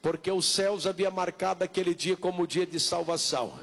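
A Brazilian man preaches in a high voice, as a pastor at an altar call. He exhorts insistently, repeating short appeals and stretching out key words in the Portuguese of Brazil. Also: creaky, fairly bright tone. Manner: insistent, repetitive exhortation with drawn-out calls. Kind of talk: evangelical sermon, altar call and prayer.

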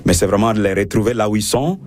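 A man's voice: lowish voice, fast, a little mellow. A French-speaking man, a priest, answering radio interview questions with many fillers and restarts.

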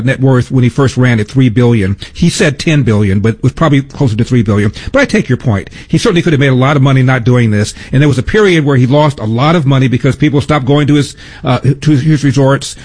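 A man hosting a political talk show, speaking conversationally with some halting fillers. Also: medium pitch, darkish tone, husky. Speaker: radio talk host.

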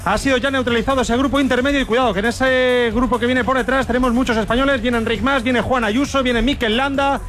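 A man's voice: very high-pitched, steady tone, fast talker, a bit bright, soft background music. A man reporting live as a sports radio reporter.

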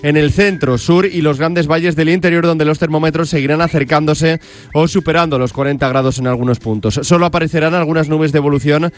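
Fast-reading male radio weatherman. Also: fairly high pitch. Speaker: weather reader. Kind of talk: scripted radio weather report.

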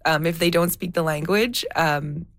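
A low-pitched woman with a gravelly edge talks through her answers slowly and thoughtfully. She hesitates and restarts as she works out what she means. The recording is dry and close. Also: dry recording. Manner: thoughtful, searching for words, many fillers and restarts. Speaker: documentary filmmaker, guest. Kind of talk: reflective interview answers.

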